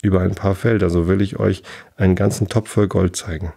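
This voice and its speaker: Man voicing a sly old fairy shoemaker from a storybook, dismissive, dark rough tone. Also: sits low, steady tone, a little fast, exaggerated voice. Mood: scornful. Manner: curt, dismissive, slightly raised voice. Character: tiny old male fairy cobbler, sly and haughty.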